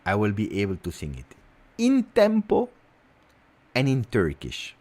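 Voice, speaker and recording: A man's voice: lowish voice, wildly swooping pitch, measured pace, darkish tone. A man hosting a casual football livestream, playful and chatty, who keeps stopping and repeating words. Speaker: football channel host.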